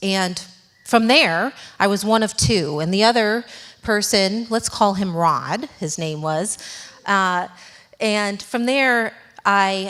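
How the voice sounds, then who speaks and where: With a New England accent, a woman speaks at a fairly slow pace and ordinary pitch variation. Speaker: business executive. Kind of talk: speech to an audience. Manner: conversational.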